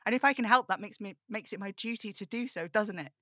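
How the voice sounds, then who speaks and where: A woman's voice: mid-range voice, quick pace, fairly bright tone, no room sound, clean studio sound, natural voice. A woman playing a burdened, defiant young male broadcaster in an audio drama table read, snappish and sarcastic. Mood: anxious, resolute.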